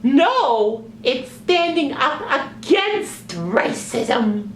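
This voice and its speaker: A woman voicing an indignant, earnest male sock puppet in a news parody, with emphatic, exasperated, drawn-out words. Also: sits high, big pitch swings, echoey room, a little hiss or hum, full character voice. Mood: protesting.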